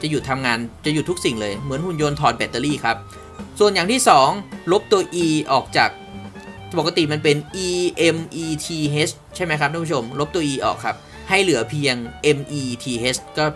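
A man's voice: a little high, expressive, a little fast, fairly bright tone, faint music behind. A man hosting a storytelling channel, telling myths in a chatty way and speaking straight to his viewers with casual asides.

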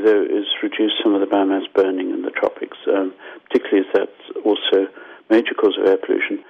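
A man's voice: deep voice, creaky. Older man from Zimbabwe on a dull phone line. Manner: thoughtful, explanatory, restarts and lively asides. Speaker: scientist guest. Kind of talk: radio interview answers.

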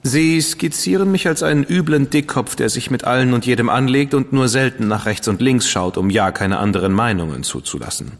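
Actor as sarcastic dandy, cheeky, animated intonation, long reverb. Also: male voice, mid-range voice, close to an everyday voice. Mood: sardonic. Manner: sarcastic, quick-witted, cheeky. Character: witty, defiant dandy, man, adult. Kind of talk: radio play acting.

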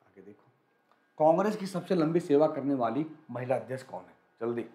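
A young male teacher running a live quiz lesson, energetic and repetitive, urging students to answer quickly. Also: mid-range voice, roomy sound. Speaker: online exam-prep teacher.

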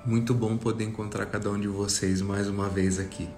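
A Brazilian man speaks as a meditation guide in a lowish, creaky voice. He addresses a group reflectively, leaving long pauses between phrases. Faint music plays behind him. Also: level tone, a little mellow, reverberant. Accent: Brazilian Portuguese. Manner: slow, pausing, reflective.

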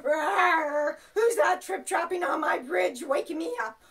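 Lady doing a greedy cranky troll for a puppet show, growly and gloating, high voice. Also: vocal fry, a bit bright, recorded from a distance, exaggerated voice. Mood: grumpy, greedy. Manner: growling roars, gloating and drawn-out oohs. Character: grumpy greedy troll under a bridge.

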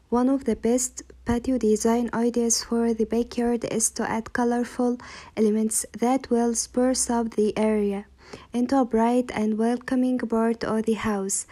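Slow, flat-toned female narrator. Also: a little high. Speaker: channel narrator. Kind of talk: scripted voice-over narration. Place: voice-over over slideshow.

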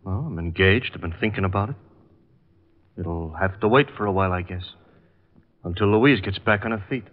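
An actor playing a dutiful working-class man whose brother was killed, blunt and halting, in an old radio drama. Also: low-pitched, lightly acted. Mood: subdued, defensive. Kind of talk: 1950s radio drama acting. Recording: echoey, muffled old radio recording.

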